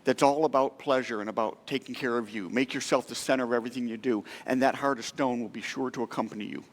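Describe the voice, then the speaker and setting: Man, middle-aged, pastor, sermon, emotional, conversational, rhetorical questions, mid-pitched voice, long hall reverb. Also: steady tone, fast. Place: church sanctuary.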